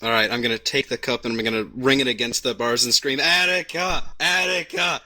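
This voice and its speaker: A man's voice: mid-range voice, level tone, fast, bright, forceful tone, dry recording. A man playing a tabletop game, playful and joking, asking the game master many questions. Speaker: player. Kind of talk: casual game chat.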